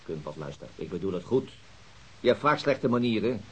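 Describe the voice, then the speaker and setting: An actor playing a sensible, probing police detective in a radio drama, firm with his colleague, with a husky voice. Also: lowish voice, very animated, normal speed, full character voice, rough recording. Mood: concerned, firm. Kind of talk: Dutch radio drama acting.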